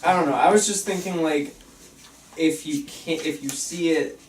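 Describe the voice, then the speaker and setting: A man's voice: fairly high pitch, moderate pace. A man giving casual script feedback, hedging his suggestions tentatively as he goes. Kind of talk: casual chat. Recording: roomy, distant, faint background noise.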